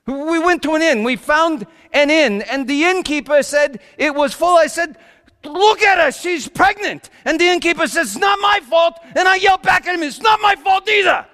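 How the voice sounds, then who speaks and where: A man playing an exasperated, wry, awestruck Jewish carpenter, telling his story as a theatrical comic monologue, moving between hushed asides and loud exclamations. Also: very high-pitched, moderate pace. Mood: exasperated, panicked. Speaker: storyteller preaching in character. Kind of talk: comic dramatic monologue to a congregation. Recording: reverberant hall.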